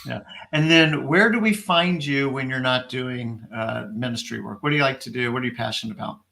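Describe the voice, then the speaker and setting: A man's voice: medium pitch, fairly quick, gravelly, bright, forceful tone. A man hosting a casual interview, upbeat and encouraging as he asks his guest questions. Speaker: host.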